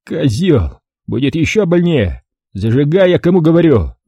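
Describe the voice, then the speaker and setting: A male narrator voicing a crude, bossy male thug with a hoarse, cracked baritone. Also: big pitch swings, moderate pace, dark tone, dry recording, dull audio, full character voice. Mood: barking. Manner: barking, rude.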